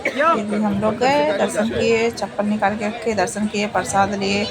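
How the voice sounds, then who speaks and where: A woman's voice: medium pitch, fairly even intonation, moderate pace, a loud crowd, rough recording. A woman narrating a casual travel vlog about her family trip, chatty and rambling, often repeating herself.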